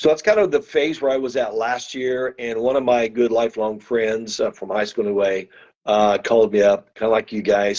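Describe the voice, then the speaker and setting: At a fairly quick pace, a man speaks at a medium pitch against a quiet background. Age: 60s. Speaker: doctor. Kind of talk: interview storytelling. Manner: conversational, animated.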